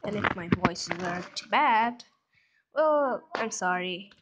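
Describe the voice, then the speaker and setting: A woman's voice: medium pitch, lively intonation, takes it slowly. A young woman chatting casually and awkwardly, hesitant and self-conscious, as an amateur voice actor. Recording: faint background noise with clicks.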